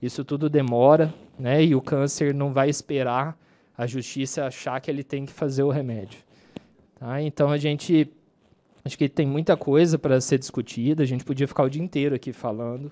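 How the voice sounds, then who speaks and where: His fairly high voice keeps a fairly even intonation as this man talks at a moderate pace. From Brazil, Ribeirão Preto (São Paulo state). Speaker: oncologist. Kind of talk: presentation at public hearing. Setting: legislative assembly hearing. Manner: halting with many fillers. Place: hall. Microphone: podium.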